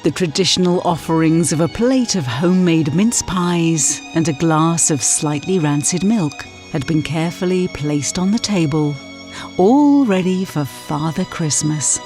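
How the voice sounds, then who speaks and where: A woman's voice: sits low, expressive, measured pace, a little mellow. A woman with a British accent reading a scripted, tongue-in-cheek story as its narrator. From Yorkshire, England. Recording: faint music under the voice. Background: music.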